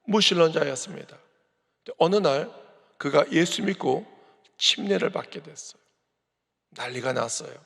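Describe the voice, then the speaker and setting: Male pastor giving a morning sermon, raspy high voice, loud and emphatic at times, lots of church reverb. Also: lively intonation, moderate pace, pauses often. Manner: emphatic preaching that builds to raised, forceful declarations.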